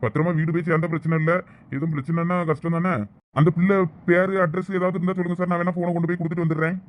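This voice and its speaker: A man's voice: on the high side, little pitch movement, narrow, tinny audio, a little hiss or hum, close to an everyday voice. A man with a Thoothukudi Tamil accent voicing a polite middle-aged father speaking to a police officer in a cartoon. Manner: polite, deferential, quick. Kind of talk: cartoon voice acting.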